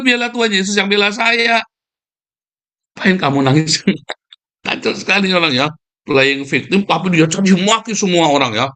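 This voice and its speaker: A man preaching in a livestreamed sermon, combative and scornful, who keeps addressing his listeners directly and jumps up in pitch when he denounces his opponents. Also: fairly bright tone. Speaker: pastor.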